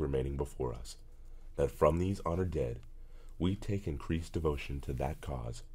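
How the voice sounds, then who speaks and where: The voice is dark and mellow, carrying vocal fry and ordinary pitch variation. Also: man. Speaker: voice actor. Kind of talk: historic speech reading. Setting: studio demo reel.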